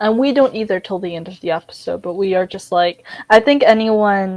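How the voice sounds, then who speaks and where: A woman speaks with an American accent at a moderate pace, using ordinary pitch variation. The sound is dry and close, with no echo. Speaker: podcast co-host. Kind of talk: casual chat.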